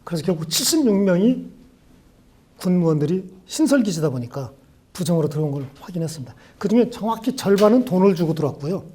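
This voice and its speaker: A man's voice: sits high, big pitch swings, fast, mellow, husky. A man in his sixties from Jeolla, South Korea, a law professor giving a farewell lecture full of reflective personal anecdotes in a university lecture room. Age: 60s.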